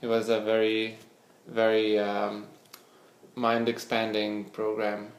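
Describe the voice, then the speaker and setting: Recorded in an echoey room, the interview guest speaks slowly in a lowish voice with completely flat delivery. He's a young scientist and startup founder from Lithuania, responding hesitantly and frequently repeating words as he looks for the right ones.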